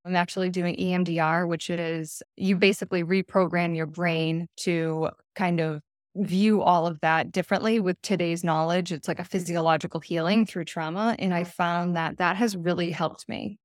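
A woman's voice: fairly low pitch, fairly even intonation, moderate pace, dry recording, clean studio sound. A woman in her thirties, a podcast guest, telling her recovery story in an earnest, reflective way. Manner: earnest, reflective, speaks in short plain sentences. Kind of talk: candid personal recovery story.

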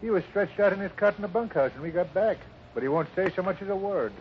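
A man's voice: high-pitched, quick pace, lightly acted. A man playing a curious, kindly cowboy ranch hand, folksy and concerned, in a 1950s radio western. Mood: puzzled. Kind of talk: 1950s radio drama acting. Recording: dull, faintly noisy 1950s radio recording.

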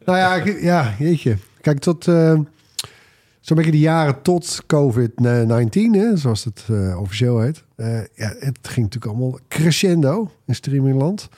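A man's voice: mid-range voice, lively intonation, a little slow, warm tone. A man chatting casually as a podcast panelist, in a piecemeal, hesitant way with some English phrases mixed in. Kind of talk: casual opinionated chat.

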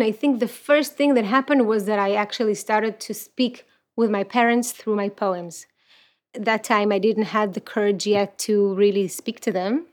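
A woman in her thirties from Ukraine, whose first language is Russian, talking earnestly and reflectively about her life as an interview guest and reciting a poem, with frequent restarts. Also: mid-range voice. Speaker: guest, activist and poet. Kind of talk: personal interview talk and poetry recital.

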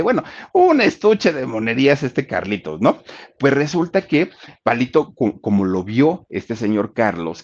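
A man's voice: on the low side, darkish tone. A man telling a life story in a casual, chatty way, speaking straight to his listeners. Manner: chatty, addresses the listeners directly, many fillers. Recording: dull lo-fi sound.

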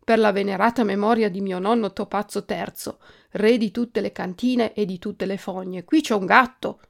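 A woman's voice: medium pitch, moderate pace, gravelly. A woman voicing a pompous, boastful male mouse general who declaims his oaths in a storybook.

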